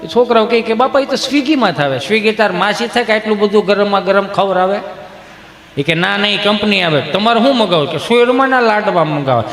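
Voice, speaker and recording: A male stand-up comedian from Gujarat, telling folk jokes and acting out villagers in high voices. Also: lively intonation, fairly quick, fairly bright tone. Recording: echoey live stage hall.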